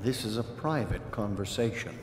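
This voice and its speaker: A man's voice: on the low side, animated, moderate pace, noisy background, lightly acted. A man playing a scheming, self-assured aristocrat in a video game, suave and insistent. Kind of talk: video game character dialogue. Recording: echoey room, music behind.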